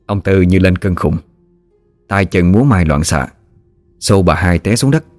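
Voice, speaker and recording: Man, very low voice, ghost story narration, faint background music. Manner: steady, unhurried storytelling.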